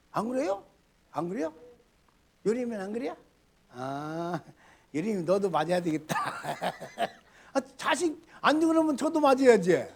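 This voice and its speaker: A middle-aged male pastor preaching a sermon in a colloquial style, with loud outbursts, low mutters and rhetorical questions to the congregation. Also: gravelly, husky.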